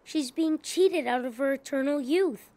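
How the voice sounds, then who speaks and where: A woman's voice: high voice, measured pace, very noisy. A woman voicing an earnest, suspicious, determined little boy in a cartoon, with an insistent manner. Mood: alarmed. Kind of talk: cartoon voice acting.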